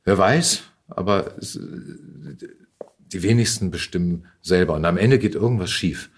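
Middle-aged guy getting interviewed, really low husky voice, thinks out loud, kinda halting. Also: expressive. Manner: reflective, halting, searching for words. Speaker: interview guest, actor and voice actor. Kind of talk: casual conversation.

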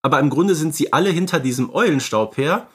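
A man's voice: fairly high pitch, expressive, brisk, a bit bright, husky. A man co-hosting a podcast, explaining films conversationally and often adding little tag questions. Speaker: podcast co-host. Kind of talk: conversational film analysis.

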